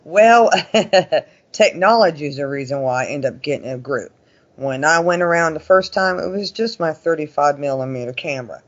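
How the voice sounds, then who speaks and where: Chatty, higher-voiced man on dull audio. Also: animated, normal speed. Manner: chatty, folksy, often acts out quoted remarks. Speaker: interview guest, paranormal investigator. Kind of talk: casual conversational storytelling.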